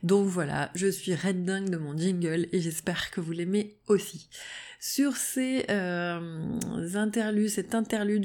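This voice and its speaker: A woman's voice: mid-range voice, a little mellow. A woman hosting her own podcast as a naturopath, talking casually with many fillers and restarts. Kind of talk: casual solo podcast talk.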